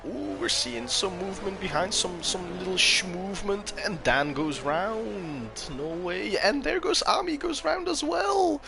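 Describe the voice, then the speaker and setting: A man doing live commentary on a sim race, his voice jumping up with excitement whenever the action picks up. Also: high voice, measured pace, gravelly, few pauses, background noise.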